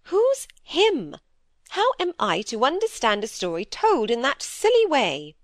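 A woman voicing a severe, brisk elderly spinster who speaks in a commanding, impatient way. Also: high-pitched, huge pitch swings, no room sound, clean studio sound, voice pushed up, heavily acted. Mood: indignant.

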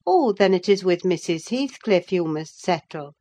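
A woman voicing a brisk, kindly middle-aged housekeeper, speaking higher and livelier than her narration in a storybook reading. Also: lively intonation, dark tone. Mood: welcoming.

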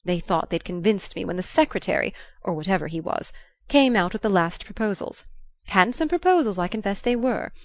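A woman voicing a shrewd, commanding old grandmother who talks in a lively, imperious way. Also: medium pitch, fairly quick, no room sound, natural voice. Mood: confiding.

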